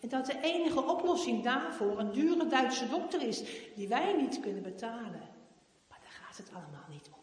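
A woman's voice: sits high, expressive, moderate pace, voice pushed up. A woman voicing a kind, cheerful father who talks in an encouraging, laughing manner, read aloud in a story. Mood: earnest. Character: kind cheerful father, middle-aged man. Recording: echoey hall.

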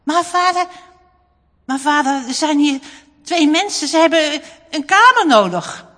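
A woman's voice: a little high, huge pitch swings, slow pace, breathy edge, exaggerated voice. A woman voicing an eager, helpful young boy in a storybook reading. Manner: eager, earnest. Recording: long hall reverb.

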